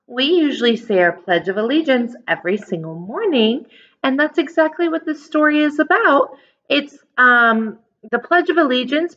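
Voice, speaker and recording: A slightly muffled, lo-fi recording of an American woman reading to young children. Her pitch moves in a lively, expressive way. She explains things simply like an elementary teacher and puts questions to her listeners. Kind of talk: children's picture-book read-aloud with explanations.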